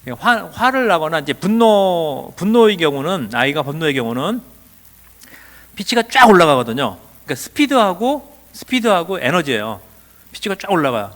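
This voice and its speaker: Middle-aged male seminar lecturer, lively up-and-down delivery, fairly high voice, keeps asking the room questions. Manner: asks rhetorical questions, acts out quoted dialogue. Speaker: lecturer at a church teacher training.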